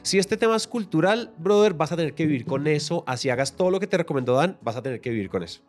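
A man's voice: a little high, animated, soft background music. Joking man with a raised voice. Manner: joking, quick and colloquial. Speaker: podcast co-host. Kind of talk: casual advice chat.

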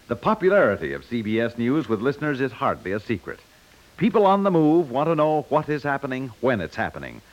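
Animated male 1950s radio announcer, muffled. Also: mid-range voice.

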